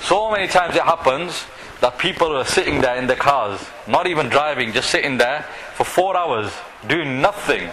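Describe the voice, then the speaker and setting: With lively intonation and a fairly high pitch, a man speaks at a moderate pace over noticeable background noise and audible room echo. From northern England, Bolton. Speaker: Islamic preacher. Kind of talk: sermon. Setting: religious gathering with audience.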